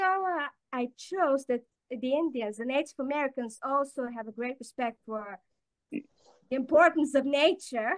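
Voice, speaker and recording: A high-pitched woman in her twenties from Bulgaria, speaking English as a second language after native Bulgarian. Her voice is bright and sharp, and she talks in a halting way with frequent fillers and restarts. The recording is dry and close. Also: no echo. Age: 20s. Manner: halting, many fillers, laughs. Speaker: panel guest. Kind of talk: casual chat.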